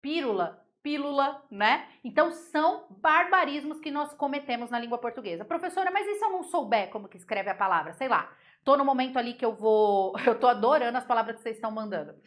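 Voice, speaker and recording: A woman with a fairly high, expressive voice teaches Portuguese grammar. She is playful, laughing at common mispronunciations and repeating words slowly to drill them.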